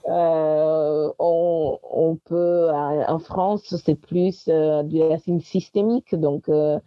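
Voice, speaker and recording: A woman's voice: low voice, fairly even intonation, slow pace, no room sound. A woman from Italy, speaking French as a podcast guest and sharing personal testimony in conversation. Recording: dry, dull lo-fi sound.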